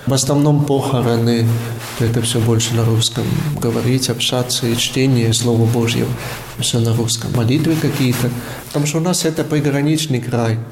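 Young priest talking in an echoey church. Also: male voice, medium pitch, a little mellow. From Latvia. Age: young adult. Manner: explanatory, searching for words. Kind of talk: interview conversation. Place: inside a church. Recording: echoey church with faint noise.

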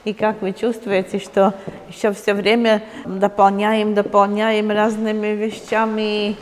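A woman's voice: mid-range voice, completely flat delivery, measured pace. Woman tour guide in a reverberant hall. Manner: hesitant non-native Russian phrasing. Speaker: museum guide.

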